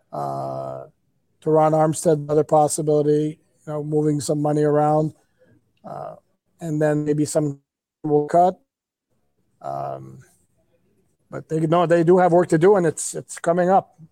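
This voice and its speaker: A man talking sports casually as a reporter guest, explaining things in a hesitant, measured way. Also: fairly high pitch, creaky, warm tone, dry recording.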